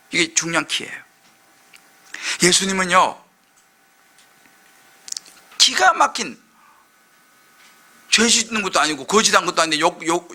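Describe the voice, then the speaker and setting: A middle-aged male pastor preaching a sermon, impassioned, swinging from loud outbursts to hushed asides. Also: high-pitched. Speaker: senior pastor.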